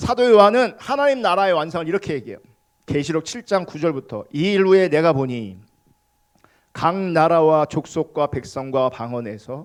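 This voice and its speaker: The recording is very clean with a silent background. A man speaks at a fairly high pitch, with very wide pitch swings and big swings in loudness. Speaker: pastor. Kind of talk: sermon. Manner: fast.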